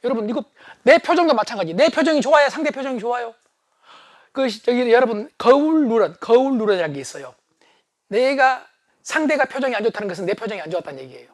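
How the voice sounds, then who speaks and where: High-voiced, animated lecturing man. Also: fast talker, no echo, studio quality. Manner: animated, shouting for emphasis. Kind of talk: humorous leadership lecture.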